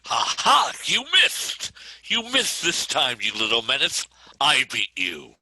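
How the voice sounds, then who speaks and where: A man's voice: mid-range voice, huge pitch swings, slow pace, sharp tone, husky, no echo, heavily acted, low-quality recording. A man playing an irate, exasperated suburban father in a comedic script read, blustering and emphatic. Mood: gloating.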